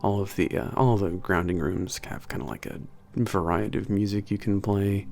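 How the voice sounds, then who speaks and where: Man as a low, creaky-voiced, laid-back werewolf trainer. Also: steady tone. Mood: relaxed, nostalgic. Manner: halting, mumbled, informal, trailing off. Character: laid-back, slightly gruff young male werewolf trainer at a spaceport. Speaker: workplace trainer. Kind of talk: casual ASMR roleplay. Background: soft background music.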